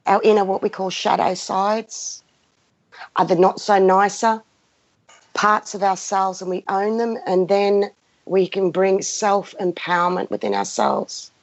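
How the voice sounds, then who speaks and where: A woman of Greek background, in her fifties, guides listeners through a live spiritual session in a mid-range, steady voice, speaking slowly with long pauses. Her unscripted talk is passionate and emphatic, full of repeated phrases. The audio sounds roomy, muffled and lo-fi.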